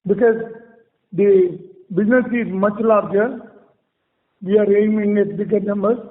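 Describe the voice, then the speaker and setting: Indian exec guy on a conference call, pretty high voice, halting answers, muffled and very echoey. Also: steady tone. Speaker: company executive answering analysts. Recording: muffled conference line with long reverb.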